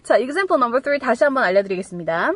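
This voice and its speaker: A woman teaches English words, her voice high and swooping with a lot of melody. She talks slowly and deliberately, spelling out her example sentences word by word between chatty asides. The sound is dry and close. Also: lively intonation, fairly bright tone, no room sound. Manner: chatty asides with little laughs. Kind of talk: English vocabulary lesson. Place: staying in Hawaii.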